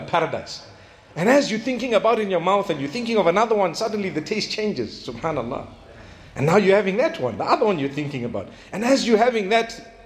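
High-pitched man preaching a lively sermon. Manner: animated storytelling, acting out quoted dialogue. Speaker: Islamic preacher.

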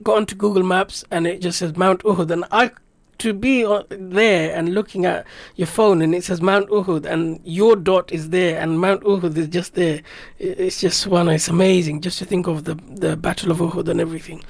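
A man's voice: high-pitched, steady tone, moderate pace, vocal fry, few pauses, no echo. A man in a radio interview who talks in an earnest, reflective, rambling way about a trip. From Britain. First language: English. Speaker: radio guest. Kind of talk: personal travel recollection in a radio interview.

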